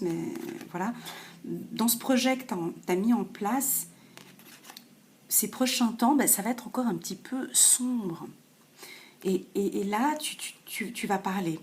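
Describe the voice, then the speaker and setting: A woman giving a casual, animated tarot reading straight to the viewer, with many restarts and exclamations. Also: on the low side, slight background noise. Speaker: tarot reader.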